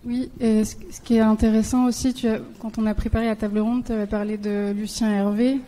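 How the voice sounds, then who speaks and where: A woman talks off the cuff in a round table discussion. Her tone is warm and relaxed, and her pitch stays quite even as she develops her point. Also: brisk. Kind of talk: spontaneous panel discussion.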